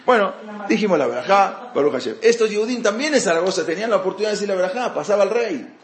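A man's voice: high-pitched, expressive, fast talker. A man teaching Jewish history in an informal lecture, telling stories conversationally with many fillers and restarts. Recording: echoey room.

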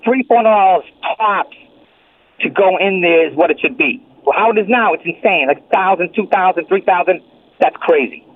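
A man's voice: high voice, normal speed. A male caller on a radio show, heard through an old flip phone, rambling politely through a complaint. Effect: old flip phone call. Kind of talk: call-in radio chat. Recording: tinny flip phone line.

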